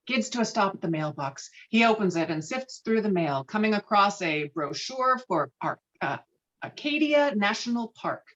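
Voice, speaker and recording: A woman's voice: medium pitch, lively intonation, moderate pace, a bit bright, dull audio. A woman reading stage directions as narrator in a script table read.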